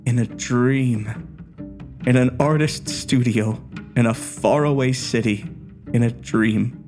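A man reading a story aloud, voicing an obsessive, unhinged doctor who speaks with quiet menace. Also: mid-range voice, takes it slowly, faint music behind, close to an everyday voice. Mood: dreamy.

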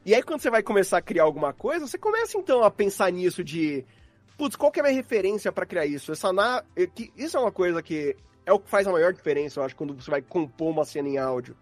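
A Brazilian man with a notably high voice talks casually, rambling and using slang as he explains. The recording is very dry and close, with music playing behind him. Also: sing-song, fast talker, no room sound. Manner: informal, rambling, uses slang.

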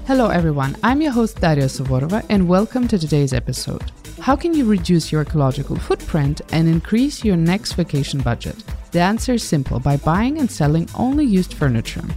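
A woman's voice: on the low side, big pitch swings, fairly quick, warm tone, soft background music. A woman hosting a podcast, reading a scripted intro and then asking a guest questions in a studio. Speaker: podcast host. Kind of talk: podcast interview. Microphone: studio microphone.

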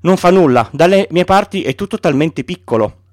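Storybook little prince, earnest boy asking innocent questions, a man putting him on, slightly high. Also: expressive, moderate pace, darkish tone, no echo, studio quality. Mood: curious.

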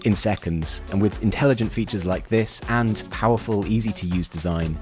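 A man's voice: fairly low pitch, normal speed, darkish tone, faint music behind. A man co-hosting a podcast, upbeat, reading an ad and adding short interjections. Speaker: podcast co-host. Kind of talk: casual chat and ad read.

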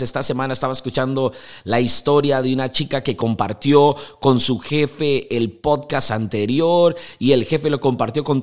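A young adult man with a Costa Rican accent, hosting a motivational podcast and speaking in an energetic, emphatic, preaching manner. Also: mid-range voice. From Costa Rica. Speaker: podcast host.

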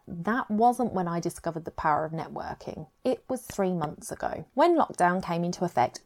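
A woman with an English accent hosting a scripted advice podcast in a tidy, measured way, setting out points clearly. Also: lowish voice, darkish tone. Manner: tidy, measured, numbered-tip delivery. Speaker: podcast host.

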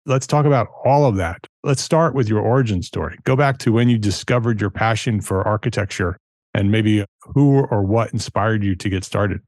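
A man's voice: fairly low pitch, moderate pace, a little mellow, dry recording. A man hosting a podcast, introducing his guest and asking interview questions. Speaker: podcast host. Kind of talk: podcast interview and promo reads.

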